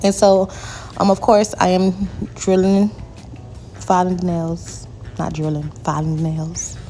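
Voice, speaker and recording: Against noticeable background noise, a woman with a medium pitch speaks at a fairly slow pace. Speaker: nail technician. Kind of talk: tutorial voiceover. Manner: casual, chatty.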